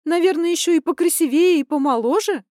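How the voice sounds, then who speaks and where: Woman doing a hot-tempered young daughter, high-pitched, loud, indignant, dry close sound. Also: fairly quick, no echo. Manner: shouting, indignant.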